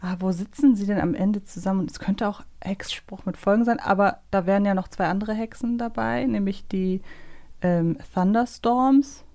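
Woman podcast cohost, normal pitch, casual quiz chat, kinda thinking out loud. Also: normal speed. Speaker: podcast co-host.

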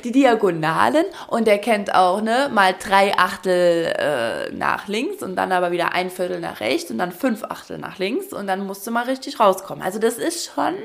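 A young woman co-hosting a podcast, telling a story in lively casual chat and acting out quotes. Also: mid-range voice, normal speed, gravelly, few pauses. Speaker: podcast co-host.

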